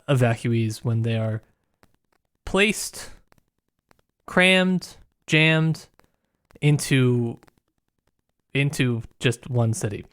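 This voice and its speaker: A man co-hosting a casual literary discussion, talking in a halting way as he searches for his words. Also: mid-range voice. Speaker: podcast co-host.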